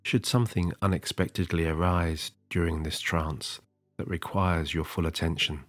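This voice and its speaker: A man with a very low, husky voice eases the listener toward sleep in a slow, soothing hypnotic cadence. He is recorded close and dry, with a soft music bed playing quietly beneath him. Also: fairly even intonation, dry recording.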